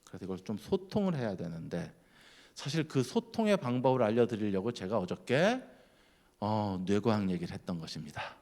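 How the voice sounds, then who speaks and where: A man giving a sermon at a church, keeping it lively by putting questions to the congregation. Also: fairly low pitch, normal speed. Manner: lively, keeps quizzing the congregation. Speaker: guest speaker at a church.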